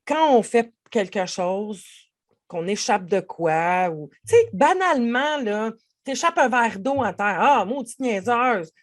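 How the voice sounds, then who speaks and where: A woman's voice: medium pitch, slow pace. A woman with a Québécois French accent, a life coach giving a podcast monologue and speaking straight to the listener. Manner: animated, speaks directly to the listener.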